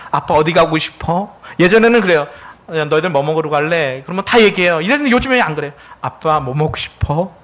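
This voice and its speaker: A man's voice: on the high side, animated, quick pace, fairly bright tone. A middle-aged man, a missionary preaching a sermon in a church, telling family stories in a conversational way. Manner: conversational, storytelling with family anecdotes. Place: church sanctuary.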